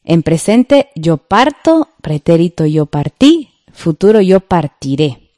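Mellow-voiced Guatemalan woman teaching grammar. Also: on the low side, big pitch swings, no echo, studio quality. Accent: Guatemalan Spanish. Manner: slow, careful, explanatory. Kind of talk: textbook grammar lesson.

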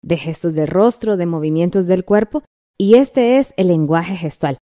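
Woman, Guatemalan accent, teacher, mellow, patient, checks in with listener. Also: fairly low pitch, moderate pace. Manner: patient, checks in with "right?" often. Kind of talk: guided textbook lesson.

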